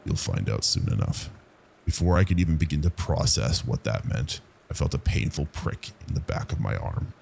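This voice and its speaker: A man narrating a scripted first-person horror story in a low, haunting, gravelly voice. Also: expressive, fairly quick, few pauses, a little mellow, a little hiss or hum. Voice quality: very deep, gravelly.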